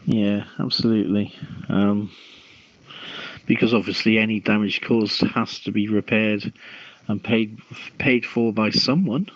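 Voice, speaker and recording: A man hosting a talk show, reading news stories aloud with a halting delivery and repeated words, through a dull microphone. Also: on the low side, steady tone, no room sound. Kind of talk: reading a news article aloud, with casual chat.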